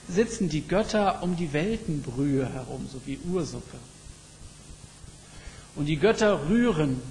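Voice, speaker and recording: A man preaching a sermon, reflective and slow, telling stories with emphatic pauses. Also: fairly high pitch, darkish tone. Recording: long reverb with faint background noise.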